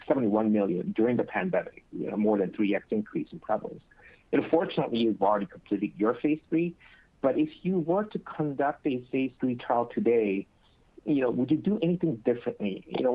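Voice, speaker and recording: A male analyst with a mid-range voice poses a detailed question over a thin telephone line. His phrasing is polite and conversational, formed as he goes. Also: medium pitch. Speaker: financial analyst asking a question. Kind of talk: polite unscripted conference call question. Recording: narrow tinny phone line.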